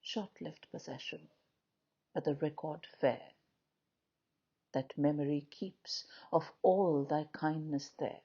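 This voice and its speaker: A woman reciting poetry in a solemn, dramatic, measured style, pausing often between short phrases. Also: low voice, mellow, breathy edge, highs cut off. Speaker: poetry reader.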